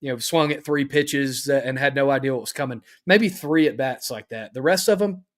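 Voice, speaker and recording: A man co-hosting a casual sports podcast, talking in a measured, agreeable way. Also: mid-range voice. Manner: measured, agreeable, many "uh" fillers.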